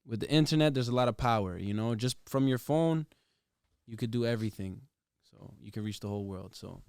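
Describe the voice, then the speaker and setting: A man with a smooth, clear voice recorded close and dry. He talks casually as a guest artist in an interview, slipping between Spanish and English. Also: mid-range voice, expressive, normal speed, darkish tone, no room sound. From Toronto, Canada. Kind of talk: casual bilingual interview chat.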